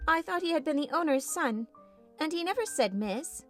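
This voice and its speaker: A woman's voice: sits high, lively intonation, normal speed, faint music behind, pitched above the performer's own voice. A woman voicing a spoiled, imperious and petulant young girl in an audiobook, easily upset and indignant. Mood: pert, questioning. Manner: haughty, petulant, demanding. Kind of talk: audiobook character voice.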